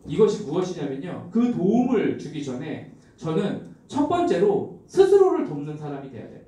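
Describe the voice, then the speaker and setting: Animated man speaking in an echoey hall. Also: a little high, moderate pace. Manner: animated storytelling, addressing the audience directly. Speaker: seminar speaker. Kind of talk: motivational seminar talk. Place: large seminar hall. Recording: very echoey hall, distant mic.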